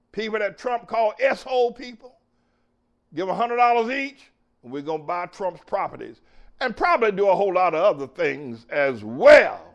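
A man's voice: high voice, fairly bright tone, dull audio. A man hosting his own show as a pastor, preaching emphatically, repeating phrases and calling cues to his engineer. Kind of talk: preaching talk show monologue.

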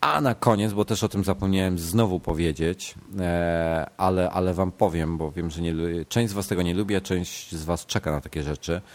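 Casting: male podcast host, low voice, nasal and congested from a cold, casual, stumbling delivery with repeats. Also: moderate pace, few pauses, darkish tone. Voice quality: congested, blocked-nose voice. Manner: hesitant, self-correcting, repeats words. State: sick with a stuffed nose and fever.

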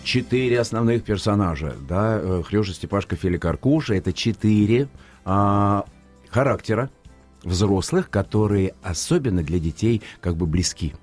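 Older man, low voice, lively storyteller. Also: moderate pace, faint music behind. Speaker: guest, actor and former children's TV presenter. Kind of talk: studio interview. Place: radio studio.

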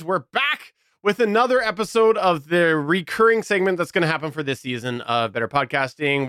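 Man, podcast co-host, smooth clear voice, slightly high, dry close mic. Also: no room sound. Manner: relaxed, laughs often. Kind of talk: casual tech chat.

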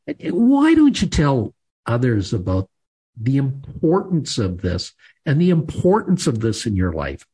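A male interview host who speaks slowly and emphatically, with large swings between loud and soft. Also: mid-range voice, wildly swooping pitch, husky. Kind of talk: interview hosting.

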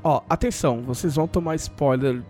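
A man's voice: fairly high pitch, a little fast, darkish tone, soft background music. A Brazilian man hosting a casual podcast chat, joking and swearing freely with lots of fillers. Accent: Brazilian Portuguese. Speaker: podcast host.

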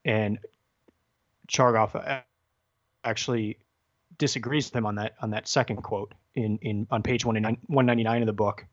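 A man's voice: on the low side, fairly even intonation, normal speed, long pauses, highs cut off. A man hosting a podcast discussion, talking casually and hesitantly, often correcting himself. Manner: hesitant, self-correcting, conversational. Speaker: podcast host.

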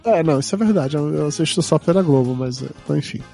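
High-voiced hoarse man, jokey podcast host. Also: lively intonation, warm tone, soft background music. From Brazil. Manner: joking, quick to laugh at himself. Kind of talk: casual chat.

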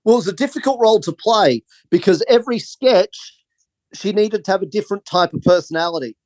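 A man's voice: high voice, fairly quick, darkish tone, no echo. A man, a film director, rambling through anecdotes in a casual interview and laughing often.

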